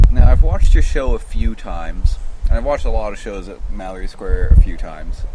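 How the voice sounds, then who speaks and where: Delivered at a moderate pace over noticeable background noise, the speech shows big swings in loudness. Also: man. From Canada. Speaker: street performer and podcast interviewer. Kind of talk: casual interview.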